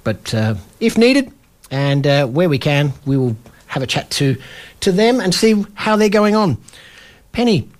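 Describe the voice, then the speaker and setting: A man's voice: a little high, big pitch swings, a little slow. A man hosting a casual community radio football show, rambling with lots of fillers and self-deprecating asides. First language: English.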